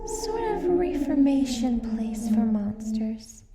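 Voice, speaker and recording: A woman acts out a lonely, age-old banshee working a hotel front desk in an ASMR roleplay. She speaks very slowly in a soft, hesitant voice that often slips into whispers, gentle and courteous throughout. The sound is distant and echoey, under heavy background ambience. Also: fairly high pitch, very animated. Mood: gentle, informative. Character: ancient lonely banshee receptionist at a monster hotel, gentle, polite. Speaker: hotel receptionist. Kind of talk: ASMR roleplay, scripted monologue to the listener. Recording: distant, roomy, very noisy with ambience.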